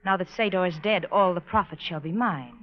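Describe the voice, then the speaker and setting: A woman's voice: fairly low pitch, a little fast, lightly acted. An actress playing a greedy, ruthless woman doctor, speaking formally and precisely in old radio drama style. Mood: cold, menacing. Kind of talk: 1940s radio acting. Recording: dull old-time radio recording.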